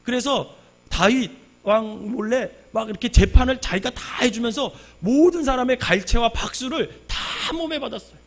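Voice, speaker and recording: A male pastor preaching a sermon, telling a personal story with sudden loud bursts and quiet asides. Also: extremely high pitch, normal speed.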